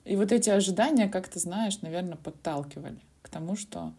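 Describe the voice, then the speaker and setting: A young woman near thirty co-hosting a podcast, agreeing warmly and telling reflective stories from her own life. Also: fairly low pitch, lively intonation, a little fast, breathy edge. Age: 20s. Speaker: podcast co-host. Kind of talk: casual podcast chat.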